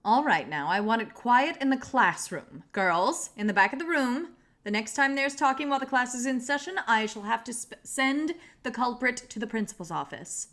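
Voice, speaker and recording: A woman reading the part of a stern, impatient high school teacher, formal and authoritative, in a script table read. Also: expressive, normal speed, hardly any pauses, fairly bright tone. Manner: formal, clipped classroom authority.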